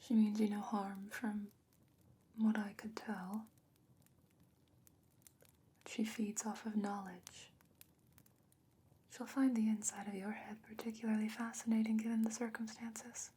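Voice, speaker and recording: A woman as a breathy, whispering fantasy potion maker. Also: fairly high pitch, flat delivery, unhurried, pauses often, mellow. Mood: wry, cautionary. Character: calm, knowing fantasy woman, secretive potion maker, wary. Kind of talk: soft-spoken ASMR fantasy roleplay.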